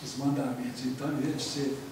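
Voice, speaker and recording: A man's voice: medium pitch, fairly quick, background noise. A man with a Brazilian accent teaching Portuguese grammar in a classroom lecture, joking and acting out quoted lines. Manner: jokey, acts out quotes in lively voices. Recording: echoey room, voice from far off.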